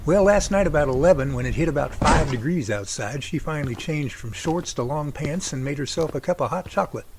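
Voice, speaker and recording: A man's voice: fairly high pitch, animated, fairly quick, creaky, heavy background noise. A man acting as a chatty, good-humoured grown son in an amateur audio drama, with folksy delivery. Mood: chatty, wry.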